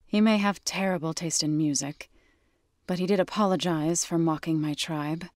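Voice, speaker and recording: A gentle yet resolute tribal warrior woman voiced by an actress for a video game. Her voice sits a little low, and she speaks with measured, earnest solemnity. The sound is close and very dry, as in a studio. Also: no room sound, natural voice. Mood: solemn, reflective. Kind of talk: scripted game character dialogue. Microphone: close studio microphone.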